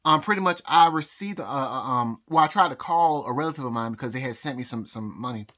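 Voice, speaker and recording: A man telling a rambling personal story to his phone, halting and repeating words, pausing often, with nervous laughs. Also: mid-range voice, lively intonation, bright, forceful tone. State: out of breath. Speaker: vlogger. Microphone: phone recording.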